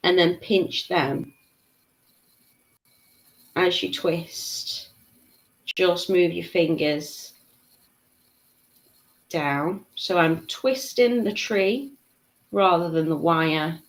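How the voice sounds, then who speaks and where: A woman's voice: fairly low pitch, very slow, long pauses, poor audio. A woman, giving a live craft tutorial, chatting and laughing as she reads out viewer comments. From Liverpool, England. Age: 30s. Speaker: beading tutor.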